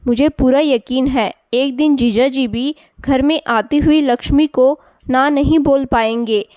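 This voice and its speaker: Lively, persuasive young girl voiced by a woman, bright high tone, clean, slow storybook reading. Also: clear, resonant tone, no echo. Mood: urging. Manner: coaxing, persuasive. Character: spirited young unmarried cousin, encouraging.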